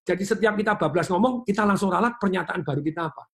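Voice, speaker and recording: A man giving a motivational webinar talk, energetic and playful, speaking straight to his audience and having them repeat declarations. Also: high-pitched, fast. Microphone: webinar mic.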